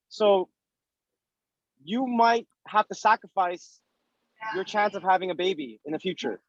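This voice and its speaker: Male interviewee, thirties, notably high voice, emphatic explainer in casual conversation, lo-fi recording. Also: no echo. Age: 30s. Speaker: interviewee giving career advice.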